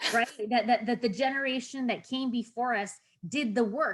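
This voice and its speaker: At a fairly quick pace, a woman talks in a high pitch with ordinary pitch variation. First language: Spanish. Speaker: state senator. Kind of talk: interview. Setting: video call.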